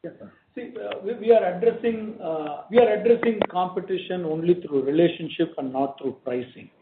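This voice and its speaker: A man with an Indian accent speaking as a bank executive on an earnings call, haltingly, repeating words as he goes. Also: high-pitched. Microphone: conference call line. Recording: echoey phone-like line with faint noise.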